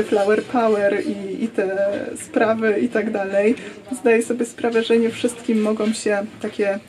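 A young woman vlogging a clothing try-on haul in a small store fitting room, chatty and enthusiastic, talking into a handheld camera. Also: medium pitch. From Poland. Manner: chatty and enthusiastic, many fillers. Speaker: fashion vlogger. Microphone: handheld camera on a grip held in front of her.

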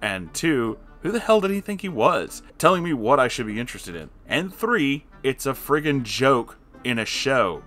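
A man's voice: mid-range voice, big pitch swings, moderate pace, few pauses, fairly bright tone, faint music behind. A man reading an online story aloud, adding sarcastic asides of his own between passages. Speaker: story reader.

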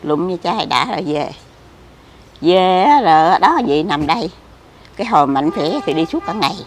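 Gravelly old woman. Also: lowish voice, lively intonation, moderate pace. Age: older. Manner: rambling, repetitive complaining. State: frail, weak. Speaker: interviewee. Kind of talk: casual chat. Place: outdoors near a cemetery.

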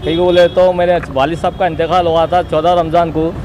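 High-pitched insistent young Hyderabadi man. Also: flat delivery, a little fast, a little mellow. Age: young adult. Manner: insistent, repetitive, self-justifying. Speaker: interviewee giving a statement to local news. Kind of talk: spoken personal testimony to reporters. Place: outdoors beside a street wall. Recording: outdoor street noise behind.

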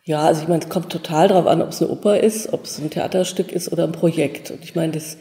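A woman's voice: low-pitched, fairly even intonation, fast, mellow. A woman in her sixties, a stage design professor, talking in an interview in a loose, rambling way with many fillers. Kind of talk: relaxed interview talk. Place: office with bookshelves. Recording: echoey room with long reverb.

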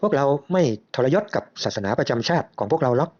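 A man voicing his brash, blunt, teasing male friend who talks roughly and bossily. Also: fairly high pitch, sing-song, fast talker, a little mellow, pitched above the performer's own voice. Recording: slightly muffled lo-fi recording.

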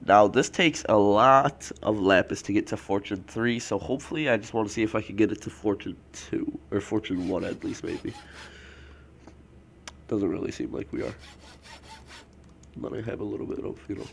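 A man's voice: fairly low pitch, moderate pace, creaky, a bit bright, slight background noise. Stuffy-nosed young man narrating gameplay. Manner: rambling, filler-heavy, self-correcting. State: congested, stuffy nose from a cold. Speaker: let's play host. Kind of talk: casual gameplay commentary.

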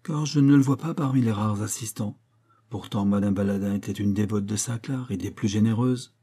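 Guy reading a sly gendarme, pointed needling lines, warm dark husky voice. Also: fairly low pitch, moderate pace. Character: shrewd male country gendarme, probing and pointed. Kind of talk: audiobook character voice.

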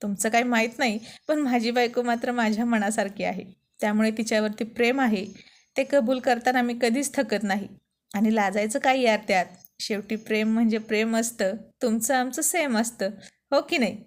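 A woman's voice: fairly high pitch, normal speed, close to an everyday voice. A woman voicing a cheerful, frank young man who openly loves his wife, in a spoken storybook. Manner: warm, frank.

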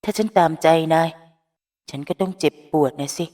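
A woman voicing a hot-tempered, defensive young man in an audio novel, speaking loudly and snappishly. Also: fairly high pitch, moderate pace, lightly acted. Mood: brooding. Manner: loud, snappish, scolding. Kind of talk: audio novel dialogue reading.

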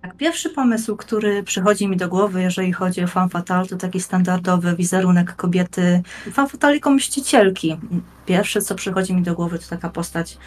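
A young woman giving a measured, articulate explanation in formal wording, as a guest in a podcast discussion. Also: on the low side. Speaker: guest panelist on a role-playing games show. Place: indoors, plain room, video call. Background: music.

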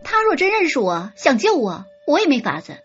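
A woman's voice: high-pitched, wildly swooping pitch, brisk. A woman narrating a romance audiobook in first person, telling it expressively. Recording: slightly dull audio with soft music.

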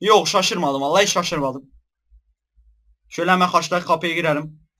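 Young male gamer, high bright voice, scared yelps between jokes, horror let's play. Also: fairly quick. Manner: jumpy, shouts in fright then jokes. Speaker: gaming YouTuber.

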